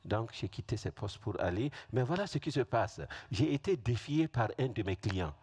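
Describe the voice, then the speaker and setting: A man's voice: mid-range voice, expressive, moderate pace, darkish tone, husky. A man from Burkina Faso, a native Fulfulde speaker with a West African accent, giving an informal testimony as a guest pastor, conversational and often checking in with his listeners. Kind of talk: informal testimony preaching to a congregation.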